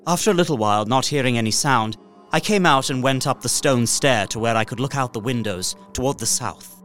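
Actor as an anxious young gentleman diarist, music underneath. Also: mid-range voice, a little fast, lightly acted. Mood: uneasy, weary. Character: young Englishman, anxious diarist trapped in vampire's castle. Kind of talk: gothic horror audio drama diary narration.

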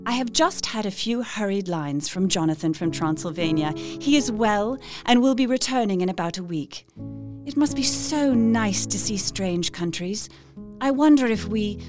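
A woman's voice: mid-range voice, lively intonation, normal speed, natural voice. An actress playing an eager, affectionate young Victorian woman, earnestly voicing her letter in an audio drama. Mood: wistful, earnest. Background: music under the voice.

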